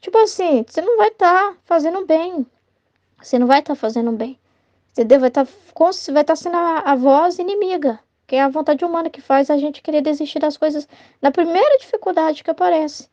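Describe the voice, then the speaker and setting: A woman's voice: high voice, brisk, a little mellow, no room sound. A Brazilian woman leading an informal devotional study, chatting casually and tagging her sentences with "né?". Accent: Brazilian Portuguese. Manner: chatty, tags sentences with "né?", acts out everyday dialogue. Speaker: religious study teacher and child tutor. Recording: dull lo-fi dry sound.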